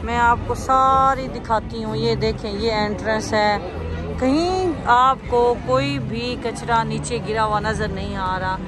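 A woman's voice: a little high, unhurried. Chatty woman vlogging through a crowd. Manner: chatty, exclaiming, talks to viewers while walking. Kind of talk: casual walking vlog narration. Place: busy outdoor expo grounds, then indoor pavilion. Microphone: handheld phone camera. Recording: crowd noise and music behind.

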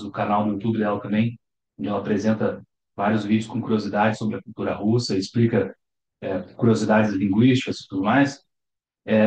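Young Brazilian man, Brazilian Portuguese accent, calm explaining, living room, echoey. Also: medium pitch. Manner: calm, explanatory, gestures with his hands. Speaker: psychologist. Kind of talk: to-camera talk.

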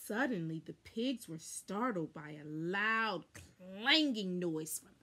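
A woman in her thirties reading a children's story aloud dramatically, with pauses and emphasis. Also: medium pitch, lively intonation, sharp tone. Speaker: storybook reader. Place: small furnished room at home, indoors.

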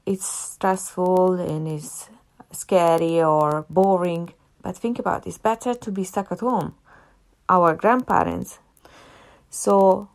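A woman's voice: mid-range voice, darkish tone. A woman with an Italian accent hosting a solo podcast, talking earnestly and repeating phrases for emphasis. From half Italian, family in Italy. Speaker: podcast host.

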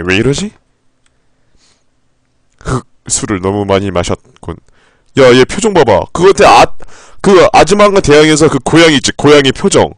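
A man live-streaming a game playthrough. He reads the in-game text aloud in a low, flat voice and breaks into sudden, profane outbursts. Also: no echo, clean studio sound.

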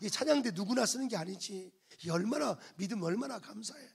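High-pitched gravelly pastor preaching. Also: male voice, animated, fairly quick, a little mellow. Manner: emphatic, repetitive prodding of the congregation. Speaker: senior pastor. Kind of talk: sermon. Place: church sanctuary.

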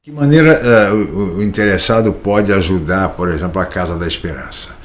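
A man's voice: sits low, normal speed. An older man, a radio host, asking conversational questions into a studio microphone. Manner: conversational, asks long questions. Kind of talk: studio interview.

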